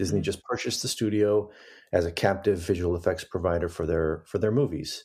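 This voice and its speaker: A man's very deep, low, somewhat breathy voice at a very fast pace, with ordinary pitch variation, on a very clean recording against a silent background. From US Midwest and Los Angeles; born in Iran. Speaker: animation industry executive. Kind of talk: interview conversation. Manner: halting, many fillers and repetitions.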